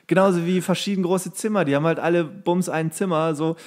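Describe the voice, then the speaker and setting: A man's voice: a little high, steady tone, fast talker, darkish tone. Fields: Man. Style: rambling, colloquial podcast chat. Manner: colloquial, rambling with mock-strict asides. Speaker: podcast co-host. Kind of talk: casual humorous chat.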